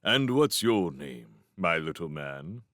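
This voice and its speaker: A man's voice: deep voice, very animated, slow, fairly bright tone, no room sound, clean studio sound, voice pushed down, exaggerated voice. Man playing a genial, hearty king. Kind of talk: audiobook character voice.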